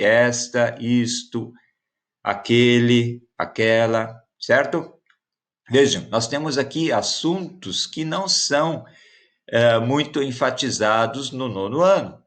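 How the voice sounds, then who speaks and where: A man teaching a lesson, explaining exam questions step by step with frequent checking questions. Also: mid-range voice. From Brazil. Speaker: Portuguese teacher.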